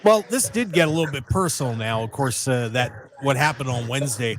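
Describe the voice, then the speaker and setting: A man's voice: mid-range voice, brisk. A man hosting a radio interview outdoors by a pool, asking friendly questions with lots of uh and you know. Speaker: radio show host. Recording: outdoor poolside with loud music behind.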